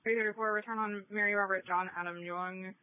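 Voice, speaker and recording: A woman's voice: medium pitch, steady tone, brisk, clear, resonant tone. A woman dispatcher speaking in formal, procedural police radio talk over a two-way radio. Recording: thin, phone-like radio channel.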